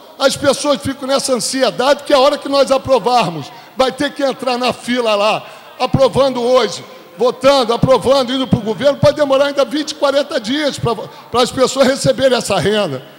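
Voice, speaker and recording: Noticeable background noise is present throughout. The talking proceeds at a moderate speed. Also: man. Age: 60s. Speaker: city councillor. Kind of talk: plenary speech. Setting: city council chamber. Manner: animated.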